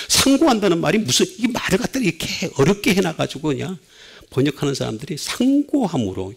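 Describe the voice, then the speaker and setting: A middle-aged male pastor preaching a sermon, with sudden swings between loud and soft. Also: high-pitched, breathy edge.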